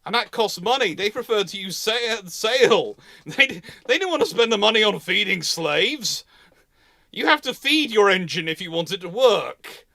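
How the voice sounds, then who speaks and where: A man's voice: high voice, big pitch swings, moderate pace, gravelly, sharp tone, dry recording, clean studio sound. A man hosting an unscripted live history question-and-answer session, talking discursively and correcting himself as he thinks aloud. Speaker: naval history host answering audience questions.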